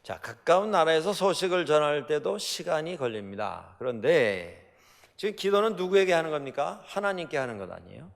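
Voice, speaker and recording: A middle-aged pastor from Chungcheong, South Korea, preaches in a church sanctuary, telling stories loaded with fillers and rhetorical questions. His fairly high voice is very animated and brisk with vocal fry, and the hall adds reverb.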